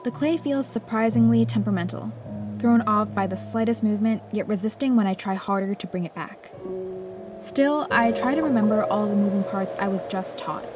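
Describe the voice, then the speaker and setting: Woman narrating a calm travel vlog. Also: medium pitch, normal speed. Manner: calm, reflective storytelling. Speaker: vlogger and pottery student. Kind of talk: scripted voice-over narration. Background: background music.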